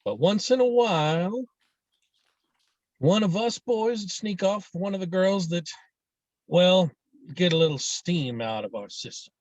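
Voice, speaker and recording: A man's voice: high voice, expressive, a little slow, pauses often, darkish tone, no room sound, highs cut off. A man acting a proud, domineering father who presses his son, in a table read of a drama script. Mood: pleading, coaxing. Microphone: video call microphone.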